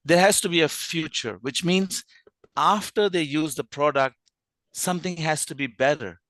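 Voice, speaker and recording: Hoarse man, meeting member, plain delivery over a dry video call. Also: a little high, normal speed, fairly bright tone, no echo. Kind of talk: impromptu remarks.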